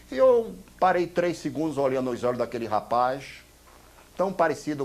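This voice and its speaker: A man speaks in an ordinary speaking voice, with lively intonation at a moderate pace. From Brazil, Recife (Northeast). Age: 60s. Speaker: TV actor and lawyer. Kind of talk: interview testimony.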